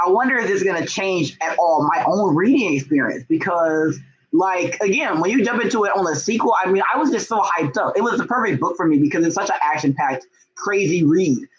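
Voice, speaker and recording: A young man hosts a casual livestream about books in a fairly high voice. He talks in a gushing, excitable way, with lots of slang. The sound is a bit dull and lo-fi. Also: fairly quick. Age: young adult. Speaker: book vlogger and writer hosting a livestream. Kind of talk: casual, chatty livestream talk.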